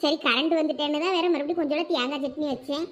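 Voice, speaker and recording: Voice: high-pitched, fast, close to an everyday voice. A voice actor playing a stubborn, fussy older mother-in-law in a cartoon, with a Thoothukudi Tamil accent. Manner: stubborn, complaining. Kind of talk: cartoon voice acting.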